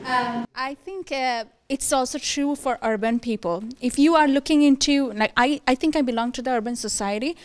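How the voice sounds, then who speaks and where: Woman, audience comment, halting, searching for words, somewhat high. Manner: hesitant, many fillers and restarts. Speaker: audience member. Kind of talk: spontaneous comment in a panel discussion. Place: conference room.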